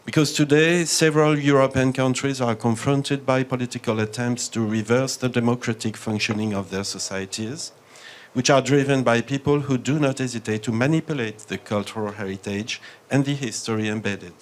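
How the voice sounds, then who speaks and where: A man with a strong French accent giving a measured, formal conference talk with frequent hesitations. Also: medium pitch. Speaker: panel speaker.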